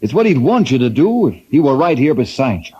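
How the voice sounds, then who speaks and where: An actor playing an earnest, resolute ranger hero who speaks in a firm, persuasive way, in an old radio drama. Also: male voice, medium pitch, sing-song, a little fast, warm tone, natural voice. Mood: pleading. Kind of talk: 1950s radio drama acting. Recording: dull old radio broadcast with faint hiss.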